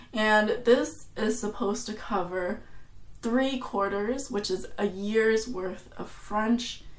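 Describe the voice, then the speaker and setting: A woman's voice: mid-range voice, roomy sound, low-quality recording. An American woman in her twenties from San Francisco, chatting to camera as a travel and food vlogger and joking about herself. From San Francisco, USA. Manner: chatty and self-deprecating, laughs at herself. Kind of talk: casual chat to camera.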